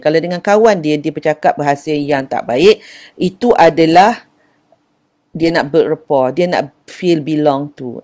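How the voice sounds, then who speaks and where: A woman's voice: low voice, mellow. An older woman, giving an affectionate, casual talk on parenting and addressing her listeners as dear. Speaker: parenting speaker.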